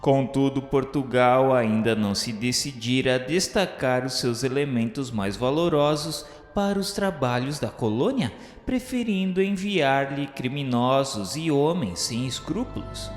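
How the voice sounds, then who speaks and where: A man reads scripted historical narration in a formal, measured, declamatory way, like a solemn radio drama narrator. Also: medium pitch, lively intonation. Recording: reverberant echoey hall sound with music. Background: music.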